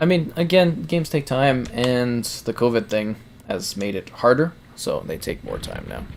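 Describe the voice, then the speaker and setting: Over noticeable background noise, a man with a slight Canadian accent talks at a fairly slow pace, his pitch swinging very widely. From Canada. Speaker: gaming streamer and reviewer. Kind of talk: live gameplay stream chat. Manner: casual, conversational.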